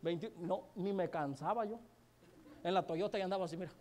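Joking man, high voice. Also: brisk, darkish tone, a little hiss or hum. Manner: joking, colloquial, chatty with many asides to the audience. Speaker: motivational speaker at a business event. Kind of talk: humorous storytelling to a live audience.

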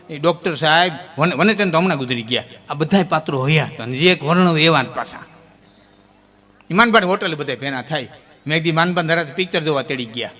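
A man telling comic folk stories on stage, with lively, sudden jumps in pitch. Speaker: folk storyteller. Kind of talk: folk comedy storytelling on stage. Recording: long hall reverb.

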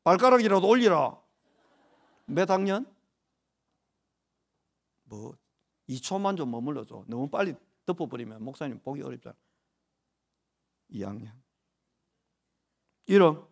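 Lively Gyeongsang pastor preaching, higher-pitched man. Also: a little slow, gravelly, pauses often. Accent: Gyeongsang Korean. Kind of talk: sermon. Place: church sanctuary during worship.

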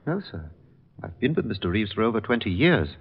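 An actor playing a polite, deferential, long-serving butler with formal manners in an old radio drama. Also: male voice, fairly low pitch, big pitch swings, fairly quick, gravelly, breathy edge, heavily acted. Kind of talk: 1940s-50s radio drama acting. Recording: dull old radio recording, reverberant.

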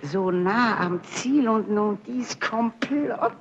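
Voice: medium pitch, slow, dull audio, slight background noise. An actor playing a spiteful spirit of envy who declaims in grand stage fashion. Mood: bitter. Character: spiteful spirit of envy, rejected suitor, theatrical.

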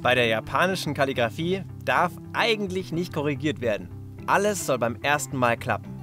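A man's voice: mid-range voice, animated, brisk, music in the background. A young man presenting a children's reportage, explaining things simply in short, casual sentences. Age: young adult. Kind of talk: lively explanatory narration and casual chat for children.

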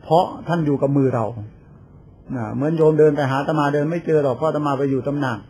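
Older monk rambling through a sermon, voice a bit high, little bit of hiss behind. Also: male voice, fast, a little mellow. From Thailand. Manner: chatty storytelling with laughs and quoted voices. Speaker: Buddhist monk. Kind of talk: informal sermon.

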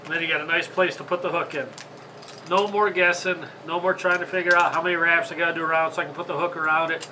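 A man's voice: on the high side, steady tone, fast talker, pushed and bright, slight background noise, rough recording. A man in his thirties with a Michigan accent and a congested, plugged-up voice, chatting casually as host of a fishing how-to video from an indoor tackle workshop. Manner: chatty, rambling, apologetic. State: congested from a sinus infection.

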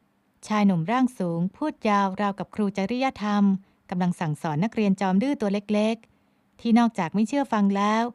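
A woman narrating an audiobook novel with expressive storytelling. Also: medium pitch, fairly quick, no room sound.

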